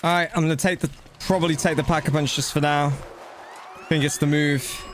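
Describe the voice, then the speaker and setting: A man's voice: on the high side, steady tone, moderate pace, a little hiss or hum. A man giving casual live gameplay commentary and chatting to viewers, blunt, slangy and matey, with some swearing. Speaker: video game streamer.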